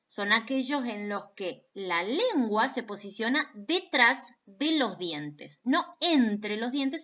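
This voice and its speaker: Slow, patient Argentine woman teaching. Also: medium pitch, sharp tone, dull audio. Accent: Argentine Spanish. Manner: patient, demonstrates sounds aloud, addresses students directly. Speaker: phonetics teacher. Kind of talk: recorded video lecture.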